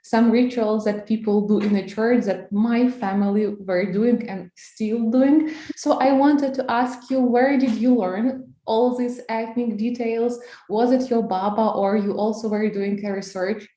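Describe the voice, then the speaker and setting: A woman's voice: on the high side, fairly even intonation, measured pace, few pauses, mellow. A woman whose first language is Ukrainian, asking a question carefully in slightly non-native English. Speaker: audience member asking a question. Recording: echoey room.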